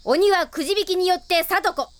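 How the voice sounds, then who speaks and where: A woman's voice: extremely high pitch, moderate pace. A bossy, brash club leader girl. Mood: commanding. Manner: commanding announcements. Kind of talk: anime drama CD acting.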